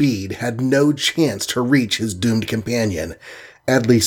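The pitch varies in an ordinary way as the speaker is reading aloud in a natural voice.

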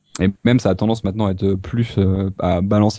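A man's fairly low, somewhat breathy voice at a fairly quick pace, flat and monotone in intonation. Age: 20s. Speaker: entrepreneur, image and dating coach. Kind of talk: interview.

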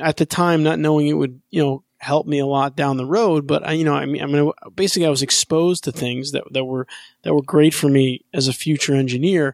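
Fairly high in pitch, a man talks in an ordinary speaking voice at a fairly quick pace with fairly even intonation, in a dry, close, echo-free recording that is very clean with a silent background. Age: 30s. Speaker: civil engineer, author and career coach. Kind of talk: interview.

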